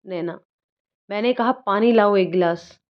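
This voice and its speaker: A woman voicing an angry grown man who shouts harsh commands, read as a storybook role. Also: mid-range voice, unhurried, natural voice. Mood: furious. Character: angry grown man, husband turned furious. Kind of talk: storybook reading. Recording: dull lo-fi recording.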